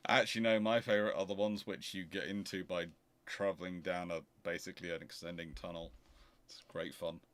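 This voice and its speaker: A man's voice: deep voice, fairly quick. A man hosting a casual history question-and-answer stream, explaining things emphatically and often correcting himself mid-sentence. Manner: emphatic, animated argumentative explaining with self-corrections. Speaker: host of a naval history question show. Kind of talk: casual livestream Q&A with rambling explanation.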